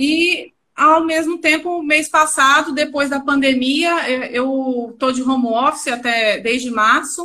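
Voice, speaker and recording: A woman's raised, projected voice, high-pitched with a bright, sharp tone, very slow pace and fairly even intonation. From Espírito Santo, Brazil. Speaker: sales director, print industry. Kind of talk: interview.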